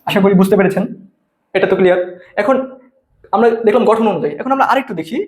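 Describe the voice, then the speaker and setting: A man's voice: sits high, fast, a little mellow. A man teaching a grammar class, explaining step by step and answering his own questions. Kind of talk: grammar lesson lecture.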